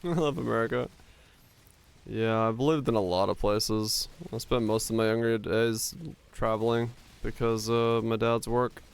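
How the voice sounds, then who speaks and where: A man from Finland with Finnish as his first language, streaming a game and chatting easily with viewers between laughs. His voice is smooth and clear, pitched in the middle for a man. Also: measured pace. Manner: relaxed, answers chat questions, laughs easily. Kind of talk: casual chat with viewers while gaming.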